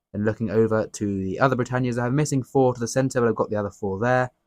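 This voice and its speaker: Recorded dry and close with no echo over a quiet background, a man speaks at a medium pitch. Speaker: coin collector YouTuber. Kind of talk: show-and-tell video narration. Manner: fast.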